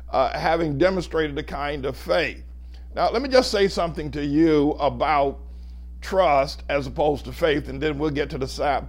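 A male pastor preaching a sermon, emphatic and building his points in repeated lists of phrases. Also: on the high side.

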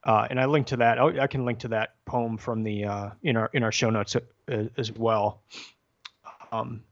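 A man's voice: mid-range voice, steady tone, normal speed. Hesitant man, dull lo-fi sound. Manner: hesitant, self-correcting, conversational. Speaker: podcast host. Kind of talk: casual discussion.

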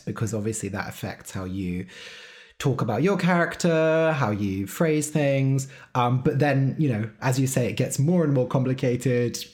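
A man's voice: medium pitch, darkish tone. A man hosting a podcast interview, talking in a chatty, casual way. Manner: chatty, uses "like" and "you know".

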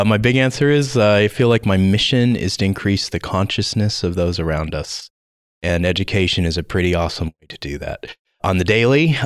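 This is a man in his forties with a Southern Californian accent, speaking as a guest on an interview podcast. His voice sits very low and sounds smooth and resonant. He tells his story eagerly, rambling a little with fillers, in a dry, close recording. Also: no echo. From United States. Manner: enthusiastic, rambling with fillers and laughs. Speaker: guest educator.

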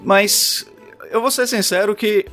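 A man from Salvador, making dry, quick remarks as a podcast co-host. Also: high voice, fairly even intonation, fairly bright tone, soft background music. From Salvador, Brazil. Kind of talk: casual chat.

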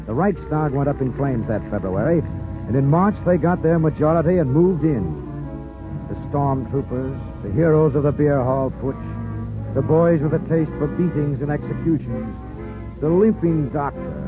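Old timey 1940s radio narrator guy acted, grave and preachy-dramatic, super animated pitch, tinny old recording. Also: lightly acted. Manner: solemn, dramatic, declamatory. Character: grave, impassioned male narrator of anti-Nazi wartime drama. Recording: old 1940s radio recording, band-limited, music behind.

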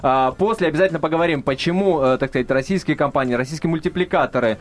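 A man hosting a live radio talk show in a studio, reading out facts and phone numbers in a brisk announcer manner. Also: a little high.

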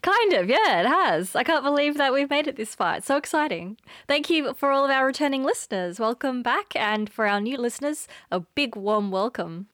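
A woman's voice: sits high, animated, moderate pace, hardly any pauses, a bit bright, no room sound, studio quality. A young adult woman with an Australian accent, co-hosting an astronomy podcast in an enthusiastic, bubbly chat. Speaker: podcast co-host, research fellow. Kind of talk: casual chat.

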